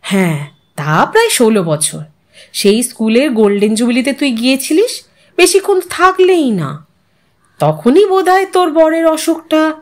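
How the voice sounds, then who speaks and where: A woman narrator plays an older widow in an audio story. Her voice is high, and she probes gently and sympathetically, like the curious old school friend she is. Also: very animated, moderate pace. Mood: sympathetic. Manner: probing, sympathetic questioning.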